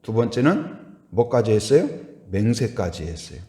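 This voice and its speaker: Pastor, male, lively sermon delivery, acts out voices, echoey sanctuary. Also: fairly low pitch, normal speed. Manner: lively, asks the congregation questions and acts out quoted voices. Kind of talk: dawn service sermon. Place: church sanctuary.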